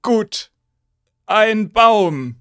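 A man running a tabletop game voices an undead zombie uncle, decayed and weary, who coaxes and pleads in a high, hoarse, strained voice. He stumbles, restarts haltingly and keeps repeating a name, with lively intonation, a fairly bright tone and an exaggerated delivery. The recording is dry and close, with no echo or room sound.

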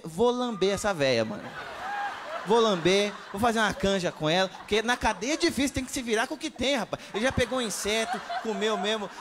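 A young man with a Brazilian accent improvising a comic story in slangy, colloquial talk. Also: high voice. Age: young adult. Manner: slangy, tagging sentences with checks. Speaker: stand-up comedy contestant. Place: TV studio stage with live audience. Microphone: handheld. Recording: noisy studio with audience.

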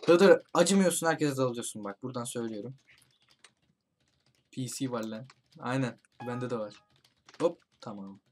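A man playing a horror game online with friends, commentating for his channel and urgently shouting warnings to his teammates. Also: mid-range voice, moderate pace, long pauses, a little hiss or hum. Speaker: gaming YouTuber. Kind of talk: excited let's-play commentary with friends.

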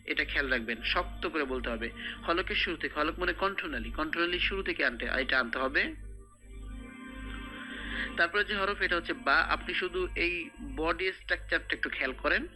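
A man teaching Quran reading in a recorded lesson, patiently explaining each sound step by step and repeating it slowly. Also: on the high side, lively intonation, pushed and bright, soft background music, rough recording.

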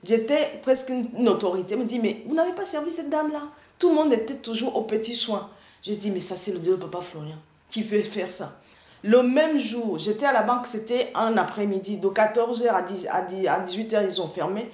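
A middle-aged woman from Rwanda gives her church testimony over a video call, earnest and halting, often restarting her sentences. Her voice sits at an ordinary pitch and rings in a noticeably echoey room. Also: expressive, darkish tone. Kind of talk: spoken testimony. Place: indoor room, seated in armchair.

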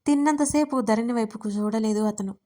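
A woman reading her own romance story aloud as writer and narrator, in a steady, even storytelling manner. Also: a little high, a little fast.

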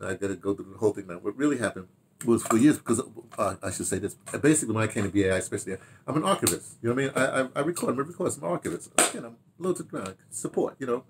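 A man's voice: mid-range voice, a little hiss or hum. Older American man, rambling storyteller. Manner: animated, rambling storytelling with repeated phrases and asides. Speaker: audio dramatist and theater director telling his memoirs. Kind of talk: casual reminiscing to camera. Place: small home study, indoors.

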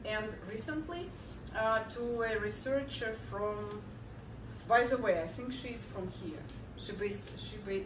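A woman with a fairly high voice gives a keynote lecture from a podium in a large hall, answering questions from the audience. She's earnest and full of fillers and restarts, livening up when she tells a joke. The recording comes from far off, with the hall's echo and a clear hum underneath.

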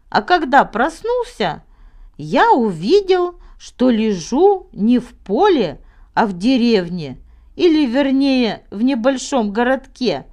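A woman's voice: a little high, a little mellow. A woman voicing a proud old baron who tells tall tales in an earnest, self-important storybook manner. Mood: earnest storytelling.

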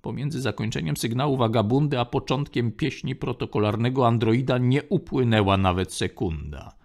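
A man giving steady, even audiobook narration. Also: mid-range voice, moderate pace. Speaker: audiobook reader.

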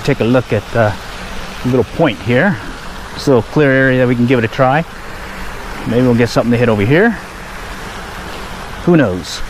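A man giving relaxed, chatty running commentary while fly fishing at a park pond, recorded on a head-mounted action camera. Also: medium pitch, normal speed, pauses often. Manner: relaxed, chatty, pleased exclamations at each catch. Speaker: fishing vlogger. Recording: outdoor action-camera audio with background noise.

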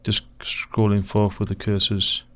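A man with a croaky voice, talking slowly and hesitantly as he steps through video footage, pausing often with fillers. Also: fairly low pitch, monotone, in a whisper. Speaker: video host analysing footage. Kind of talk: slow screen-recorded commentary.

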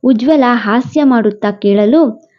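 A woman narrating a romance story and voicing every character in an expressive, quick reading. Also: a little high, lo-fi sound. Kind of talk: storybook narration with voiced dialogue.

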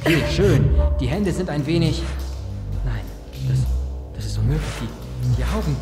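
A woman's voice: low voice, animated, normal speed. An actress playing a sceptical, sober female investigator who grows frantic and indignant in a horror radio play. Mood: alarmed. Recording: echoey reverberant hall, loud music behind.

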